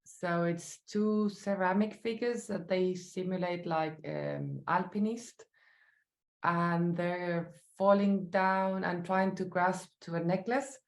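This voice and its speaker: A woman from Chile with a Chilean Spanish accent, speaking as a sculptor in an interview, thoughtful and halting with many fillers. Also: on the low side, fairly even intonation. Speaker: sculptor guest. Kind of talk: interview answers. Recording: roomy echo.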